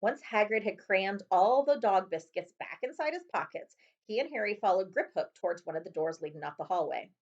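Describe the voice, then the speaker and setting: Female storybook narrator, librarian read-aloud style, mid-range pitch, slightly dull home recording. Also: lively intonation, brisk, few pauses. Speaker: librarian reading a chapter book aloud.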